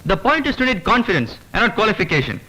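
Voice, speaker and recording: A man's voice: high voice, very animated, drawn-out words, sharp tone, slight background noise, full character voice, poor audio. An actor playing a brash young man who rehearses film dialogue at the top of his voice, with film music behind him. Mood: pompous. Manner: theatrical, declaiming practice speeches. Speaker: aspiring actor. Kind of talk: 1990s Tamil film comedy.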